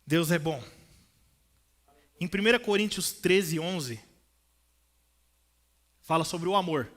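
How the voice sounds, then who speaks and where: Young São Paulo pastor with a Brazilian accent, bright, ringing tone; preaches to a church crowd and plays the people in his stories. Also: on the high side, slow pace. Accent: Brazilian Portuguese, São Paulo. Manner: storytelling, acts out voices of people. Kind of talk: sermon. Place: church, indoors.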